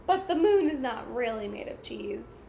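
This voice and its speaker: A woman reading a children's storybook aloud in a deliberate, simple way for young listeners. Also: fairly high pitch, big pitch swings, creaky, mellow. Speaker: storybook read-aloud reader. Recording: echoey room with faint background noise.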